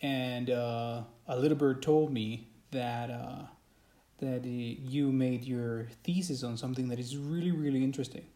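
Male host, mellow tone, friendly and halting, echoey room. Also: medium pitch, steady tone. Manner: friendly, hesitant with many fillers. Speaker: podcast host and English teacher. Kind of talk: casual interview chat.

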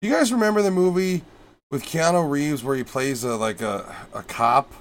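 A man's voice: fairly high pitch, moderate pace. A man co-hosting a podcast, chatting casually in a rambling, offhand way with frequent swearing. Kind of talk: casual chat.

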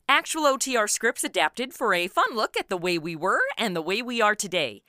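A woman's voice: medium pitch, sharp tone, no room sound, clean studio sound. A woman reading a scripted introduction as the writer and producer of an audio show.

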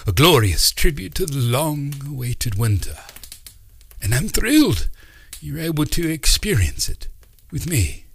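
A man voicing an eccentric, excitable old uncle who rambles in a fussy, theatrical way. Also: on the high side, a little slow, gravelly, breathy edge, pitched above the performer's own voice, heavily acted. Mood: delighted.

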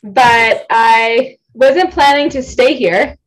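In a low-quality recording, a young woman from Ontario, Canada speaks slowly in a fairly high voice. She's an athlete guest on a casual video-call interview, rambling in a chatty, self-deprecating way and laughing a lot.

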